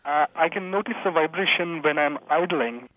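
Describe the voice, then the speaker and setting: A man's voice: fairly high pitch, normal speed, a little hiss or hum. A polite young man with an Indian accent calling in to a radio show, describing his car carefully with some hesitation. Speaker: caller. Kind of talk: phone call to radio show. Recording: tinny phone line.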